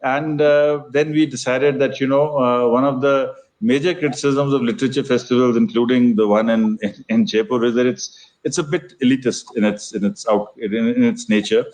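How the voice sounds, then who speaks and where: A man's voice: medium pitch, steady tone, a little mellow, low-quality recording. An older man with an educated Indian accent explains things conversationally in an interview, articulate and formal in vocabulary, circling back and repeating phrases as he goes. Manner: discursive, halting, repeats phrases while explaining. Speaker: interview guest, festival organiser.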